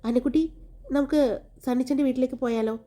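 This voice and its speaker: A lively, friendly young woman, voiced by a woman storyteller, pitched well above the narration and a little louder. Soft music plays faintly behind. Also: quick pace, natural voice.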